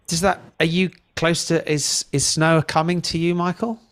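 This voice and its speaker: A man's voice: a little high, flat delivery, normal speed. A man hosting a live online panel, introducing people in a casual, chatty way. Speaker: host.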